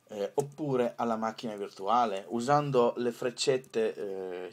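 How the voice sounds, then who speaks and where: A man presenting an informal software tutorial, improvising hesitantly with drawn-out pauses. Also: mid-range voice.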